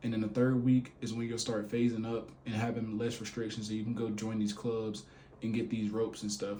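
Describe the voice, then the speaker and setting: A mumbling man at a medium pitch, fairly quick and monotone with flat intonation, in audible room echo. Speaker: Air Force trainee vlogger. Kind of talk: casual vlog monologue. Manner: unscripted, rambling, mumbling.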